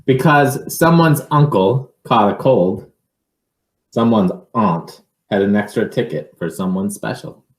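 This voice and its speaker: A man reading a picture book aloud to children in an expressive, measured way, with informal asides. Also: fairly low pitch, roomy sound.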